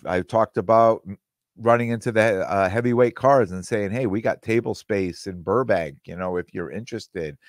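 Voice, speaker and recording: A middle-aged man hosting his solo podcast, talking in a rambling way with restarts and repeated words, his voice a little hoarse. He speaks close into a studio mic on a boom arm. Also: no room sound. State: slightly hoarse, losing his voice. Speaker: podcast host. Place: small room with green-screen backdrop. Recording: dry close-miked sound.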